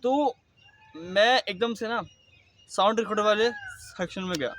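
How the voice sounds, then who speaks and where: A young man talking casually to his vlog audience, with a throaty, slightly thick voice that he keeps slow and deliberate, catching on the odd word with a small stammer. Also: high-pitched, a bit bright, slight background noise. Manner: speaks slowly and deliberately, with occasional stammers. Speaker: vlogger. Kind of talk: casual personal vlog monologue.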